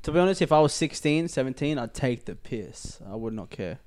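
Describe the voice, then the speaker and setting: A man's voice: medium pitch, expressive, fairly quick, darkish tone. A young man hosting a casual chat, reading out questions in a laid-back, teasing way.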